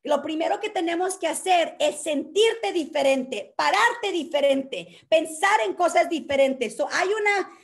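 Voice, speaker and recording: Woman, very high voice, energetic motivational coach, casual Spanish with English words mixed in. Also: a little slow, vocal fry, hardly any pauses. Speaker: workshop host. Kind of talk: motivational workshop talk. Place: home.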